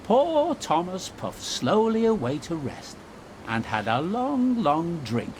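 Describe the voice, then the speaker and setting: A man's voice: high voice, huge pitch swings, slow, a little hiss or hum, rough recording. A man narrating a scripted children's story as its storyteller.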